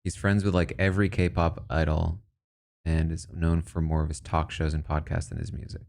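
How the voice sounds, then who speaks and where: A man's voice: a bass voice, flat delivery, normal speed, vocal fry, darkish tone. A man casually commenting and thinking aloud as he reacts to news about a reality show cast. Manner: musing, thinks aloud, asides.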